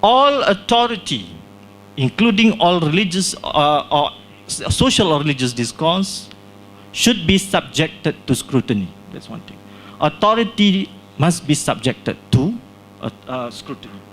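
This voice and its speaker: A man from Singapore talks about his book at a launch event in a small hall. His voice sits a little high, and he reasons aloud with many tag questions and restarts. A faint hum runs underneath. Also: big pitch swings, measured pace, a bit bright. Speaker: author presenting his book.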